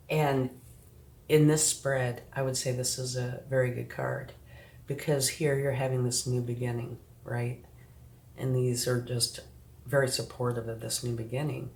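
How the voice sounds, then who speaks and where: A woman reads tarot cards for her viewers in a slow, unhurried way, with a gravelly edge to her voice. She sounds a little sniffly and keeps checking in with reassuring little asides. The room around her is echoey, with faint noise and cards shuffling in the background. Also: extremely low pitch, flat delivery, darkish tone. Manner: reassuring, addresses the viewer directly, frequent "okay" and "right". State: sniffly from a recent flu. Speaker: tarot reader.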